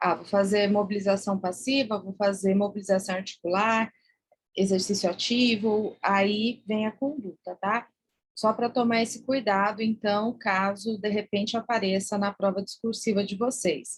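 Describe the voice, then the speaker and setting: A woman with a Paraná accent speaks at a fairly slow pace and medium pitch. Her voice is somewhat breathy, with fairly even intonation. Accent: Paraná accent (Brazilian Portuguese). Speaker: physiotherapy exam-prep teacher. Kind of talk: online lecture. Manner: conversational, with many fillers.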